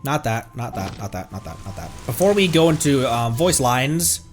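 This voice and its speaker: A man's voice: medium pitch, very animated, moderate pace, over music. A man streaming a video game with casual, chatty commentary.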